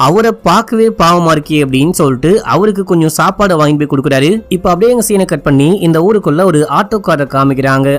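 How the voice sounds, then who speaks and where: Using a normal speaking voice, a man with a fairly high pitch shows ordinary pitch variation. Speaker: movie explainer voice-over narrator. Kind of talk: movie story explanation voice-over, casual talk to camera. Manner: chatty, friendly.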